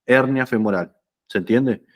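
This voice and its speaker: Guy with lecturing on anatomy, mid pitch, keeps asking "right?". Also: unhurried. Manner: conversational, checks understanding often with "¿sí?". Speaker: anatomy teacher. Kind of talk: lecture explaining slides.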